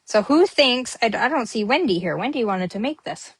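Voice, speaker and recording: A female papercrafting host with a fairly high, expressive, slightly rough voice gives a casual crafting tutorial at a normal speed. She's chatty, rambling in a friendly way with many ums as she works. The close mic is dry, with no echo.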